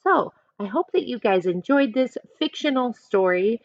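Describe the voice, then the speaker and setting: A woman with a fairly high, very lively voice reads aloud like a primary teacher, expressive and full of questions for her young listeners. The recording is dry and slightly dull. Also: normal speed, no echo. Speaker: teacher reading a picture book aloud. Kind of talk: animated children's read-aloud with teaching asides.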